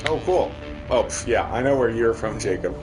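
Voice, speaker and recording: Speaking at a normal speed over music, a Midwestern livestream host gives expressive, casual commentary on his game and talks with viewers. He's from the American Midwest and has a mid-range voice.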